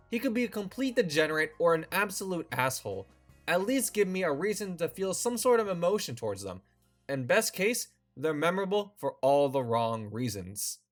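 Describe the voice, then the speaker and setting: A man's voice: on the high side, a bit bright. A young man hosting a scripted video essay, delivering wry, opinionated commentary. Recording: faint music behind the voice.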